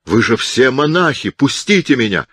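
A man's voice: sits low, animated, measured pace, fairly bright tone, full character voice. A man voicing a wounded male gypsy captive who pleads and cries out to be released. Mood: desperate, shouting. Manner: pleading, crying out.

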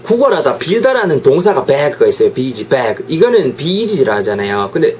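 A man's voice: fairly high pitch, moderate pace, a little hiss or hum. Guy teaching english, bouncy voice going up and down, repeats words over and over. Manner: lively, drills pronunciation with repeated examples. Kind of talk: online English lesson.

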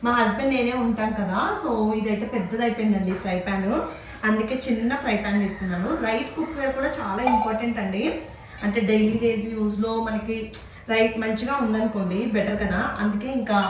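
A woman's voice: a little high, slight background noise, poor audio. A young adult Indian woman, narrating a casual home vlog in a chatty, explanatory way and addressing viewers directly. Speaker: home vlogger.

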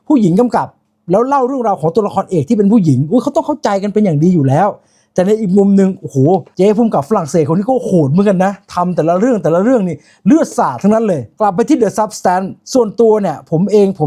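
A man's voice: sits high, mellow. A man giving a casual spoken film review, chatty and informal, with lots of asides and self-corrections.

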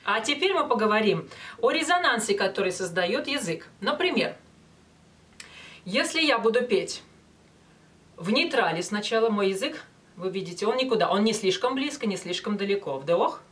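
A woman in her forties teaching as a vocal coach, explaining step by step with hesitant pauses between phrases. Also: mid-range voice, lively intonation. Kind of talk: instructional talk with short sung demonstrations. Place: small indoor studio with banner backdrop. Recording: voice some distance from mic.

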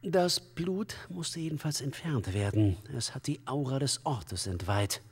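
An actor playing an esoteric male commune leader in a crime radio drama, unctuous and evasive, speaking in a halting, solemn, flowery way. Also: mid-range voice, lively intonation, husky. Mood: halting, defensive. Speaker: suspect under police questioning. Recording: long hall reverb.

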